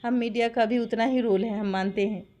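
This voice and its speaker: A woman's voice: on the high side, fairly even intonation, a little fast, dark tone, highs cut off. A woman with a Bihari accent giving impassioned interview testimony, insistent and full of rhetorical questions. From Bihar, India. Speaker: interviewee giving her account of a dispute.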